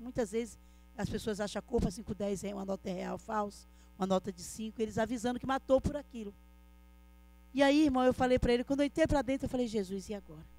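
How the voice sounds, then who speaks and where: Fast-talking woman giving an earnest testimony. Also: fairly high pitch, a little mellow. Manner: earnest storytelling, often addressing listeners as brother. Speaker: church speaker giving a testimony. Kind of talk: emotional church testimony.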